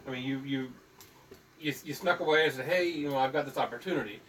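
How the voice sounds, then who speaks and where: A man's voice: mid-range voice, quick pace, fairly bright tone. A man hosting a casual live chat, talking eagerly and laughing easily. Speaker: host. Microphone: phone. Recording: distant phone mic with faint noise.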